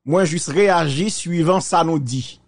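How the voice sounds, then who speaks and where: A man gives measured, reflective commentary, mixing French and Creole. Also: a little high, dry recording.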